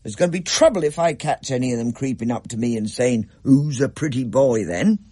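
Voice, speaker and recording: A man's voice: medium pitch, lively intonation, a little fast, dark tone, no room sound, clean studio sound, lightly acted. A man playing a stern, opinionated father who lays down the rules. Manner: stern, firm.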